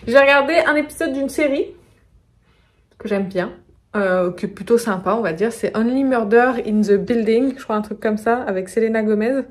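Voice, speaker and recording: A woman with a French accent chatting casually in a home beauty vlog, laughing often and full of fillers. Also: fairly high pitch. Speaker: beauty vlogger. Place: home, indoors.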